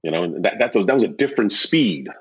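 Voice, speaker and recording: A man, a real estate agent, talking casually in an interview, acting out clients and his old sales pitch and stumbling over repeated words. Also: fast talker, slightly rough. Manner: animated storyteller, acts out clients and his old sales pitch, laughs often; repeats words when starting. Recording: dull lo-fi sound.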